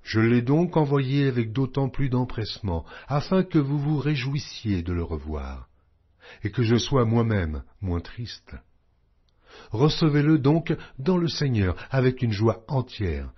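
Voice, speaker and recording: A man reading scripture as a scripted audiobook narration, in a solemn, measured and declamatory way. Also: on the low side, slightly rough. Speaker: Bible narrator. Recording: dull, lo-fi audio.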